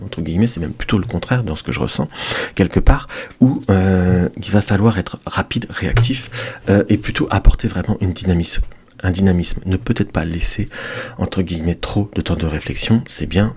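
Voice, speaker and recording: A man with a very low voice, a little hoarse, talking his viewers through a weekly tarot spread. He calls them his dear friends and chats as he lays out the cards. A faint hiss sits under the desk microphone. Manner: counts cards aloud softly. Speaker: tarot card reader. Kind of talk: weekly tarot guidance video.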